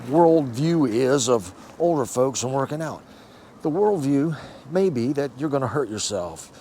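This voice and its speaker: A man's voice: medium pitch, a little mellow, slight background noise. Encouraging man in his sixties. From United States. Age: 60s. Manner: rambling, self-correcting, encouraging. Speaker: fitness channel host. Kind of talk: casual vlog talk to camera.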